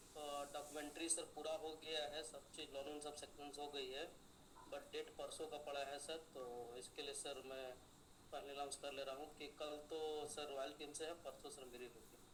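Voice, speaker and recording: A man's fairly high, monotone, flat voice at a moderate pace, with audible room echo. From Bihar, India. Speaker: network marketing team leader. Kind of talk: video call announcement and congratulations. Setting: video call.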